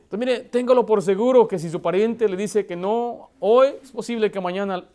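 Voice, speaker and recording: High-voiced man preaching a sermon. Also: moderate pace, darkish tone. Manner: storytelling with acted quotes and direct address. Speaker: pastor.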